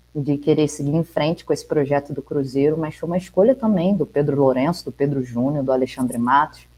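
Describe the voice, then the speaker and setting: A woman speaks fairly quickly with a Rio de Janeiro accent. Her pitch is very deep and low, and her intonation fairly even. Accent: Rio de Janeiro (carioca). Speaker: women's football club director. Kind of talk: interview.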